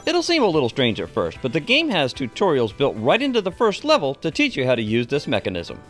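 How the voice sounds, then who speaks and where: A man's voice: mid-range voice, wildly swooping pitch, a little fast, soft background music. A middle-aged man reading an enthusiastic scripted video game review as its presenter.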